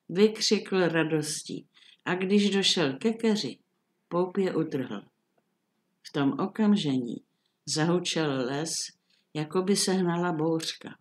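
An older woman reading a classic fairy tale aloud in a calm, measured storytelling manner. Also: on the low side.

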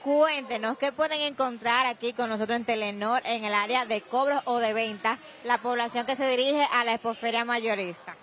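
A woman's voice: a little high, fairly even intonation, normal speed, few pauses, fairly bright tone, slight background noise. A young Dominican woman reporting on site at an expo fair with a handheld mic, upbeat and promotional. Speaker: field reporter. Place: indoor expo fair hall, crowd around.

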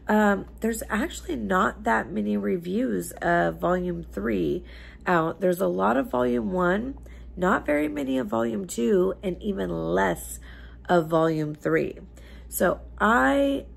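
A young woman beauty vlogger chats casually to camera from her living room couch, her voice low, gravelly, a little mellow, and slightly rough. It sounds scratchy because she's losing it, and she talks about makeup in a rambling, emphatic way.

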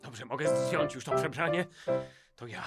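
An actor plays a self-important gentleman customer in a children's radio play. He speaks in an affected, fussy way, with clear piano music behind him. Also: mid-range voice, moderate pace, lightly acted. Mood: smug, secretive.

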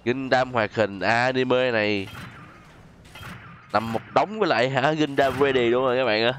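A man's voice: mid-range voice, normal speed, a little hiss or hum. A man hosting a gaming video with casual, chatty gameplay commentary, exclaiming often and addressing viewers as friends. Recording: voice over loud game music and effects.

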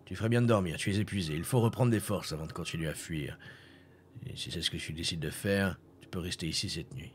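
Figure: calm old desert hermit voiced by a man. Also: low-pitched, a little hiss or hum, voice pushed down, natural voice. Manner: gentle, measured.

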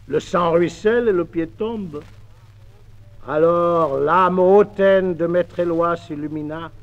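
A man telling a folk tale in a lively, expressive theatrical reading, on an old mono record. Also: on the high side, creaky. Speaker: storyteller. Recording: dull 1950s mono record.

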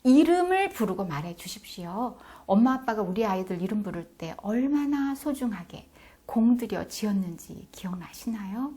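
A woman's voice: medium pitch, big pitch swings, moderate pace, warm tone. A middle-aged woman giving parenting advice to camera in an emphatic way, acting out scolding mothers and dropping into whispered asides. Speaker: parenting educator.

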